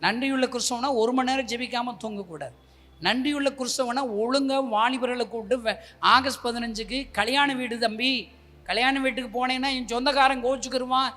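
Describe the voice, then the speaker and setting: A man preaching a fervent sermon with personal testimony, rising to loud calls for the congregation to respond. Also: very high voice, fairly even intonation, fairly quick. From Tamil Nadu, India. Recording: hall with long reverb.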